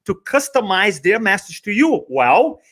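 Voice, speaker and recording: Brazilian-accented male speaker trainer, middle-aged, fairly high voice, persuasive conversational delivery with emphatic repeats. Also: big pitch swings, unhurried, fairly bright tone. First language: Portuguese. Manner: emphatic, repeats phrases, rhetorical questions. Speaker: guest, speaker trainer and business owner. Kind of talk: conversational motivational talk.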